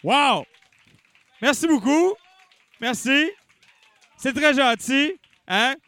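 Drawing out his words in a very high voice, a young Québécois man hosts a comedy-night auction, bellowing bids and cracking jokes with bouncy animation. The recording is dry.

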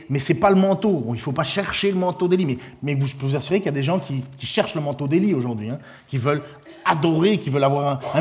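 Lively preacher man. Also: a little high. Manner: lively, conversational preaching with many restarts. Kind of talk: sermon.

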